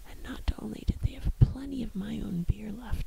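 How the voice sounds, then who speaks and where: Breathy and whispering, a woman speaks. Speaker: author reading her own novel chapter, ASMR creator. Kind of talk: ASMR whispered storytime reading of a novel chapter. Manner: whispered, breathy, soft-spoken. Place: home room. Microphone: handheld.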